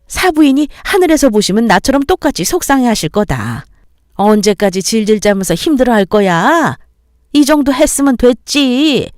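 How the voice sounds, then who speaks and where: Greedy nagging mother-in-law, a woman putting her on, lower voice, bone dry audio. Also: a little mellow, dry recording, natural voice. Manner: nagging, condescending lecturing.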